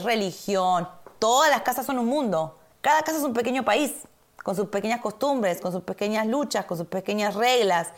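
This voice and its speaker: A woman from Argentina, co-hosting a podcast in casual chat with her husband, animated and emphatic. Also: mid-range voice. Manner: animated, emphatic, repeats words for effect. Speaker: podcast co-host.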